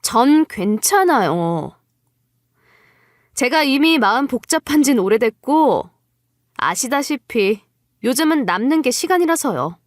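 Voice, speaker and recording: A woman's voice: high voice, big pitch swings, a little slow, pauses often, dry recording, clean studio sound. A woman voicing a wronged young wife in a story, cold, curt and sarcastic. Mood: cool, sarcastic.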